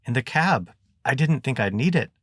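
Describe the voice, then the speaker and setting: A man voicing a short, excitable male guard who talks in a shouty, urgent way. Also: mid-range voice, moderate pace, dry recording, clean studio sound, voice pushed up, lightly acted. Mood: flustered.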